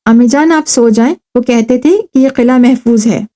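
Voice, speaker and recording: Gentle devout young woman, read by a woman, soft and earnest, mellow tone. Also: fairly high pitch, natural voice.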